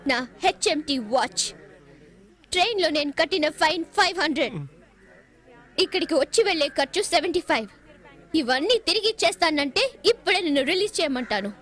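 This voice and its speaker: A bossy righteous young woman, super high voice, snappy and accusing. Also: animated, a little fast, fairly bright tone. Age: young adult. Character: headstrong young woman, righteous and sharp-tongued. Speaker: film character. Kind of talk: dubbed film dialogue.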